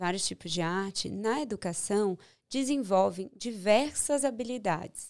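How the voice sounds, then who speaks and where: A plain, everyday voice moves at a fairly slow pace with lively intonation. The recording is very clean, with a silent background. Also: woman. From Salvador, Bahia, Brazil. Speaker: actress and theatre director. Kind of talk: casual interview.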